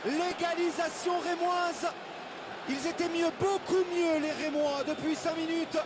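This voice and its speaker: High, excited male football commentator. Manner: excited, emphatic, drawn-out goal calls. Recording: loud stadium noise behind the voice. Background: loud stadium ambience.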